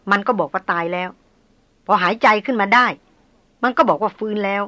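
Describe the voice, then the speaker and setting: A stern, seasoned male hunter voiced by a woman reading a storybook aloud explains things patiently and steadily. The tone stays bright and forceful while the pace stays unhurried. It is a gruff, grounded jungle-tracker figure. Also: mid-range voice, dry recording. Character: stern middle-aged male master hunter, calm.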